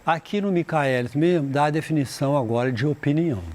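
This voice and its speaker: A man teaching an English lesson in Portuguese, reading English passages slowly, translating them, and often restarting his sentences. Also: on the high side, a little mellow. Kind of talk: recorded school lesson.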